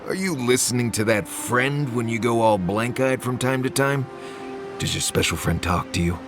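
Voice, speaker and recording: An actor playing a suspicious, blunt wilderness guide in a video game, with dry, sardonic grumbling. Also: male voice, mid-range voice, moderate pace, music in the background, natural voice. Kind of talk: naturalistic video game dialogue.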